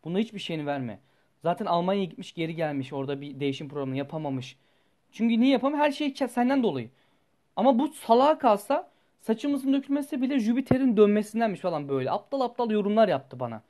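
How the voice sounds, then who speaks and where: A young man, a student, telling a story to his viewers in a casual, animated way, blunt and full of swearing, his voice jumping up and down as he goes. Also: fast. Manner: animated, blunt and profane, with sudden jumps in pitch and loudness.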